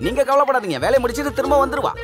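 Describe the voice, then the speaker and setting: An actor playing an anxious relative of the bride who keeps smoothing things over. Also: male voice, very high voice, animated, rapid-fire. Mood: reassuring. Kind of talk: film dialogue. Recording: film soundtrack with music.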